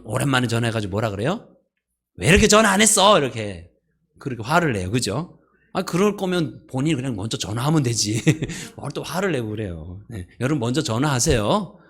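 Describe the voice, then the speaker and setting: A man's voice: on the low side, breathy edge. A male pastor giving a sermon in a church, conversational and playful, often asking the congregation questions. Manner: playful, laughs at his own jokes. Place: church sanctuary.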